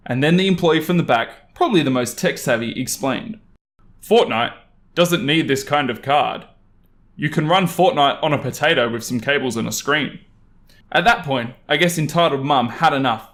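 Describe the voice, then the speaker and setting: Man narrating an online story. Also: medium pitch. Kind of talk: animated reading of online stories.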